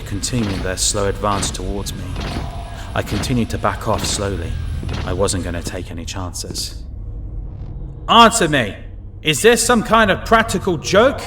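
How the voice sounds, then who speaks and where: A man's voice: medium pitch, natural voice. A man playing a wary lone inspector who narrates and acts out his ordeal in an audio drama, tense and dramatic. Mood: alarmed, demanding. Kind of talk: first-person audio drama narration and acting.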